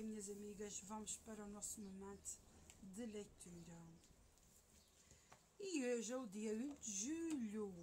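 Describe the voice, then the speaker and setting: A middle-aged woman with an Azorean Portuguese accent, chatting to her viewers from her living room and reading scripture aloud in a slow, solemn way. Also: medium pitch, darkish tone, a little hiss or hum. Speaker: vlogger. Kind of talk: casual chat and Bible reading.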